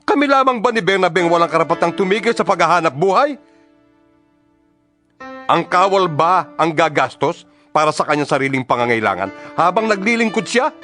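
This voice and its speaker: A fervent filipino apostle, oratorical, pitch swings around a lot, music behind him. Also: male voice, pushed and bright. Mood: impassioned, challenging. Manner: oratorical, emphatic rhetorical questioning. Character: Paul, earnest impassioned male apostle writing to his church. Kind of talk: dramatized audio Bible reading in Tagalog. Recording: studio reading over clear background music. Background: instrumental music.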